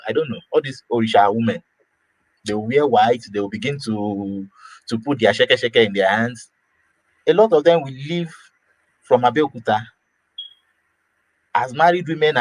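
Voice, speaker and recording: A man from Nigeria talks casually. His voice sits at an ordinary pitch, and the sound is dry and close. He trips over his words, repeats himself and laughs lightly as he goes. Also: no room sound, low-quality recording. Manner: repeats and restarts words, laughs mid-sentence. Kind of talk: casual opinion talk.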